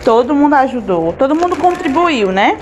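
A woman's voice: sits high, very animated, normal speed. Chatty woman, noisy home. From Fortaleza, Brazil. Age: 20s. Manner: chatty, listing items as she unpacks. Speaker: family vlogger. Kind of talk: casual home vlog. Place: home kitchen, indoors. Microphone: handheld phone camera. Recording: noisy home with washing machine.

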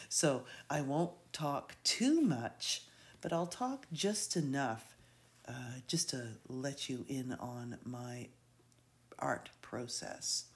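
Low, slow woman with a head cold. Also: animated. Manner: rambling, hesitant, many fillers. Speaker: art instructor. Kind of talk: unscripted painting tutorial voice-over.

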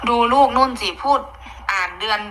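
Bright-voiced woman with an Isan accent. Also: medium pitch, moderate pace, slight background noise, low-quality recording. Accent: Isan (Northeastern Thai). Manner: chatty, opinionated, mixing in Isan dialect, bursts of exclaiming. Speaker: online commentator. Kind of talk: gossip commentary.

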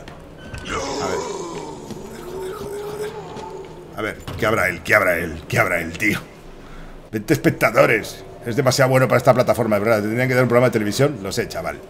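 Excitable, swearing Spanish man streamer. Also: fairly low pitch, slight background noise. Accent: Spain Spanish. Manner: profane, excitable outbursts, talks to enemies and chat. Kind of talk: live gameplay commentary.

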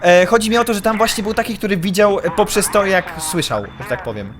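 A young man commenting on a horror game he is playing, excitable, yelping when startled and muttering while he sneaks. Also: high voice, fast talker, background noise. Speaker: gaming YouTuber.

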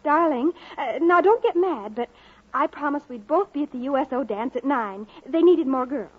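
An actress playing a sweet-talking young roommate in a 1940s radio commercial. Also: female voice, sits high, animated, normal speed. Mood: coaxing. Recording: thin, tinny 1940s radio recording.

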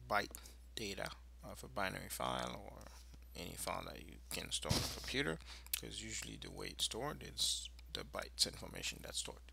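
A man presenting an informal screencast tutorial, explaining in a halting, improvised way. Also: low-pitched, animated, vocal fry, sharp tone, slight background noise.

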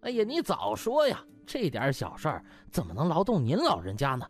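A man voicing a smug young schemer in an audiobook, gloating with oily, mock-polite courtesy and drawn-out interjections. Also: a little high, huge pitch swings, soft background music. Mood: feigned admiration. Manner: oily fawning mockery, drawn-out interjections, chuckling. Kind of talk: audiobook character acting.

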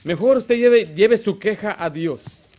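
A man preaching a Baptist sermon as pastor, asking the congregation questions and swinging from loud exhortation to quiet asides. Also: high-pitched, expressive, slow. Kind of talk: Spanish-language Baptist sermon. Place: church sanctuary.

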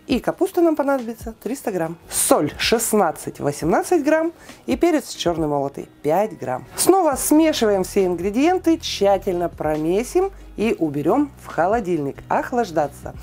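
A woman giving a calm, precise step-by-step cooking voice-over, listing weights and steps, with soft music behind her. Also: medium pitch, normal speed. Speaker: cooking channel host.

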